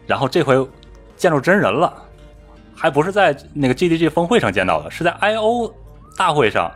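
A man telling a travel story in a casual podcast chat, animated and fond of mimicking voices. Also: on the high side, brisk, faint music behind.

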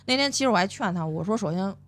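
A woman's voice: mid-range voice, rapid-fire. A middle-aged woman with a Beijing accent, a podcast guest telling a work story in casual chat and acting out what people said. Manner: animated storytelling, acts out quoted speech.

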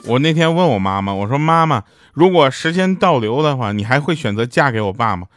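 A young man telling short comic anecdotes in a lively way, jumping up in pitch when he quotes other people. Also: brisk, music in the background. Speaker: joke teller.

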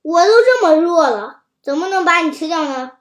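A woman's voice: very high-pitched, lively intonation, normal speed. A woman reading a storybook who voices a sly, scheming old male lion with a wheedling, fake-friendly manner. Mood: whining. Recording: roomy echo.

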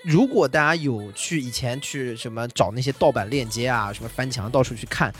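A man talking casually on a podcast, explaining his views in an animated way. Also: mid-range voice, a little fast, soft background music. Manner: animated, explanatory, lots of fillers. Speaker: podcast host. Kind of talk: casual chat.

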